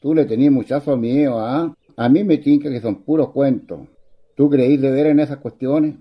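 A man's voice: medium pitch, normal speed, slightly rough, muffled recording, lightly acted. An actor playing a bold, easygoing young country man in a radio play, casual and teasing, with a rural Chilean accent. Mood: teasing, daring. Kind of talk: stage-style radio play acting.

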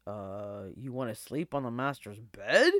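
A woman's voice: rumbling low, lively intonation, a bit bright, no room sound, studio quality, voice pushed down, exaggerated voice. Woman voicing a weary, grumbling old male dog. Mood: suspicious, grumbling. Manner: slow, sighing and grumbling. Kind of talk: children's storybook character voice.

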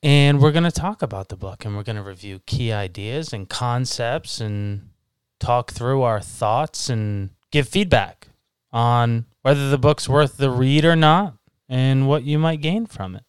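Joking man in his thirties, smooth dry voice. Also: mid-range voice, measured pace, no echo. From Massachusetts, USA. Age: 30s. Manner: joking, teasing, laughs often. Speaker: podcast co-host. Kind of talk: casual chat over beers.

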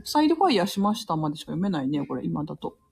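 A woman's voice: fairly low pitch, sing-song, very fast, vocal fry, a little mellow, slight background noise. A woman hosting a casual live stream, chatting, laughing often and reading listener comments aloud.

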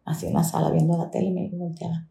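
Mexican woman with a low, dark voice. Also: fast, vocal fry. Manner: animated retelling, acts out quoted dialogue. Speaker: domestic worker guest. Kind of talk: storytelling interview. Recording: roomy echo.

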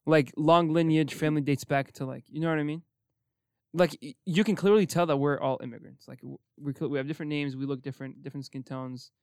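Fast-talking young man, rambling chat. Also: on the high side, steady tone, clean tone, no echo, clean studio sound. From Morocco. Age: young adult. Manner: rapid, rambling, full of "like" and "you know what I mean". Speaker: podcast host. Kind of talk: casual podcast chat.

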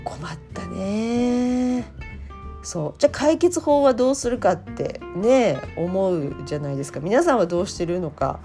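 A woman's voice: medium pitch, lively intonation, moderate pace, dark tone, soft background music. A woman hosting a casual talk show, chatty with frequent fillers and laughter. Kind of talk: casual chat.

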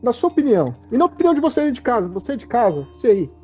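A Brazilian woman hosting a casual livestream, her voice husky and dark-toned, her pitch swooping animatedly. She calls on her co-hosts and reads viewer comments aloud. The sound is dull and lo-fi, with faint music underneath. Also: very animated, very fast. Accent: Brazilian Portuguese. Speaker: host.

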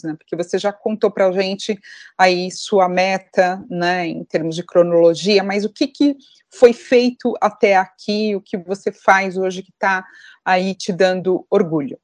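A woman's voice: mid-range voice, darkish tone, no room sound. A woman interviewer asking long, engaged questions, often adding "né". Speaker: interviewer, host.

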